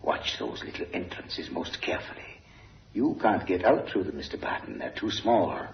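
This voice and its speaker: An actor playing Kramer, a cold, sinister villain who gloats with smooth menace, in an old radio drama recording. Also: male voice, deep voice, big pitch swings, normal speed, reverberant, highs cut off, a little hiss or hum, full character voice. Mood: gloating.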